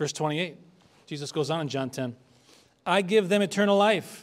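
This is a man talking. The variation in his pitch is ordinary. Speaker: pastor. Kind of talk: sermon. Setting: church. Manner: fast.

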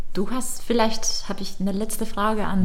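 Monotone, flat intonation in a Czech accent, with audible room echo. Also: woman. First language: Czech (speaking German). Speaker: podcast host, German teacher. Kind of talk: casual interview. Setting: studio, table microphone.

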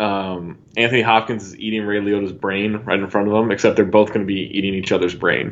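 A fairly quick pace with hardly any pauses and big swings in loudness. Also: man, fairly low pitch for a man. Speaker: podcast host. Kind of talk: casual banter about football and movies. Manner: joking, animated.

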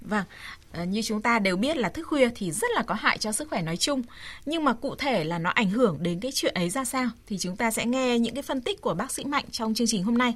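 A woman talks at a very fast pace. Her pitch is fairly high and her intonation lively. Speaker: radio host. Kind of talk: radio call-in show. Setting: studio. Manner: polite.

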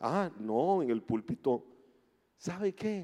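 A man's dark, mellow, high-pitched voice in a Costa Rican accent, with very wide pitch swings at a very slow pace. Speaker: pastor. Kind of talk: sermon. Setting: church.

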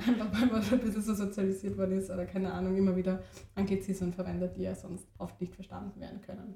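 Big swings in loudness come through as a woman talks at a very fast pace against noticeable background noise. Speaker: podcast co-host. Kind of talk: casual discussion.

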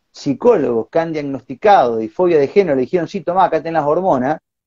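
A man speaks at a fairly quick pace with an Argentine accent and a dark, mellow tone. The sound is dry and close, with no echo. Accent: Argentine Spanish (voseo). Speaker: online show host. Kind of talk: interview.

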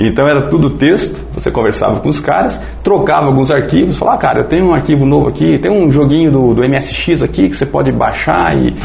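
A man talking at a fairly quick pace with hardly any pauses, over noticeable background noise. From Brazil, western Paraná (São Miguel do Iguaçu), born in southern Santa Catarina. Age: 50s. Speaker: internet provider entrepreneur. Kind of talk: casual chat.

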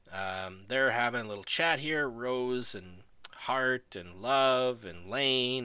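A man talks at a very slow pace with a bright, sharp tone. The recording is very clean, with a silent background. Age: 40s. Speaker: podcast host of an online role-play wrestling league. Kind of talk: casual live podcast chat and event review. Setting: live on a voice chat server.

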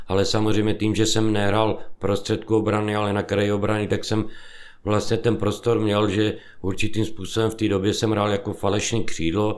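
Monotone, flat intonation at a moderate pace, with very even loudness and audible room echo. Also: man, fairly low pitch for a man. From Slovakia (Levice), born in Moravia. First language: Slovak (speaking Czech). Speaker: former footballer and players' agent. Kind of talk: interview.

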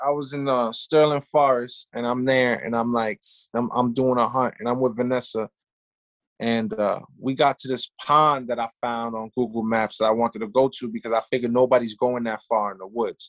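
A man with an American accent uses a normal speaking voice at medium pitch, fairly even intonation and a moderate pace. The background is quiet, and the sound is dry and close with no echo. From New York. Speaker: former radio host. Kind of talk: casual chat.

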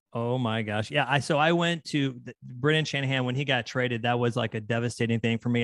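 At a fairly quick pace, a man with a Midwestern American accent speaks at a medium pitch. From US Midwest, St. Louis area. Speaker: podcast host and voice actor. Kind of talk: casual interview chat.

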